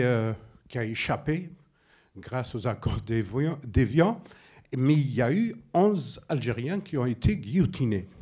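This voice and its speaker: A man from Algeria whose first language is Arabic, a filmmaker speaking from the floor at a public debate, emphatic and halting. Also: mid-range voice, a little mellow, slightly rough. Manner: emphatic, halting, with abrupt drops. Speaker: audience member, filmmaker.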